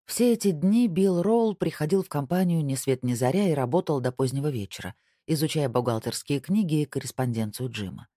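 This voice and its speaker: An audiobook narrator reading a novel in an even, unhurried storytelling manner. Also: mid-range voice, dry recording, studio quality. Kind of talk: scripted narration.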